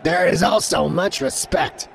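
A man's voice: a little high, unhurried, gravelly, fairly bright tone, slight background noise, exaggerated voice. A man voicing a gloomy alien male leader who speaks in a grave, formal way. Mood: grim.

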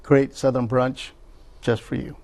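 A man with a gravelly, creaky voice reviews restaurants on a panel. He tells his stories in a relaxed, easy manner. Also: mid-range voice, a little slow. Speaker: show panelist.

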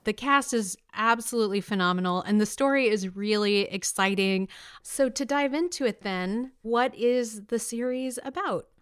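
Very clear-voiced American woman interviewing. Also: fairly high pitch, normal speed. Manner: enthusiastic, chatty. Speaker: podcast host, interviewer. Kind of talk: casual upbeat interview.

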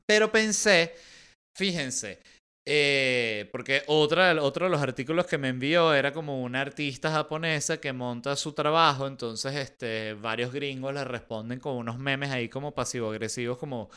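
A man's voice: medium pitch, normal speed, sharp tone, smooth. A man with a Venezuelan accent hosting a podcast, talking in a casual, sarcastic comedic monologue and swearing freely. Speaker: podcast host.

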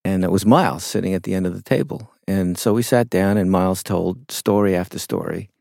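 A middle-aged man, a songwriter guest in an interview, talking in a reflective, unhurried way with frequent fillers. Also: sits low, creaky, warm tone, no room sound, clean studio sound. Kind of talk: conversational interview storytelling.

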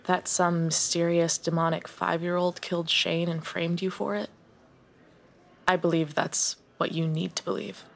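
A woman's voice: on the low side, flat delivery, moderate pace, vocal fry. A curt, bitter visiting woman. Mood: weary. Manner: curt and resentful. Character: bitter, worn-out woman visiting her accused friend.

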